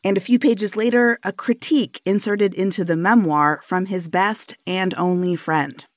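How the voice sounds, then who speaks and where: Female radio interviewer, attentive and measured, dry sound. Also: medium pitch, no echo. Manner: attentive, with brief affirmations and laughs. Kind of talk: interview and scripted narration.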